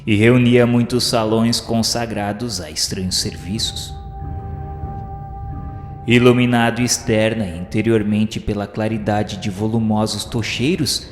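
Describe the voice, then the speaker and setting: Solemn male narrator in deep reverb. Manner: formal, solemn, literary. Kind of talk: scripted radio drama narration. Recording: very echoey, long reverb, music behind.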